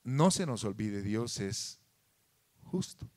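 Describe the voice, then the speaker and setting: A man preaching a sermon in a church, moving from quiet conversational talk to loud, fervent passages. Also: medium pitch, unhurried.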